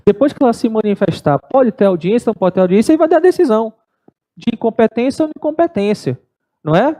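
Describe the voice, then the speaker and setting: A middle-aged Brazilian woman giving an animated exam-prep law lecture, acting out courtroom exchanges in shifting voices. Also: on the high side, fast. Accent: Brazilian Portuguese. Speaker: law teacher.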